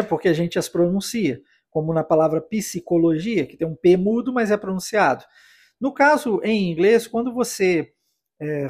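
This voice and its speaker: Husky, high-voiced Brazilian teacher. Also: male voice. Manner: encouraging, explanatory, frequent tag questions. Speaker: English teacher and podcast host. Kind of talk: podcast lesson addressing listener.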